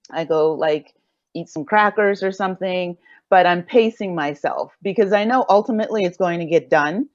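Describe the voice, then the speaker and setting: Lady on a panel, lowish voice, chatting casually, muffled dry sound. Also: no room sound. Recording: dull, dry lo-fi call audio.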